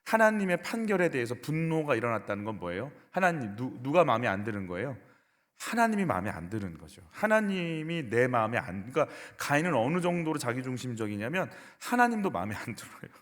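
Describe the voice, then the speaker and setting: Lively, expressive Korean pastor preaching in a reverberant church. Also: male voice, mid-range voice, a little fast. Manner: emphatic preaching with rhetorical questions to the congregation. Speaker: senior pastor. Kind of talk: sermon. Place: church sanctuary. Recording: echoey church hall.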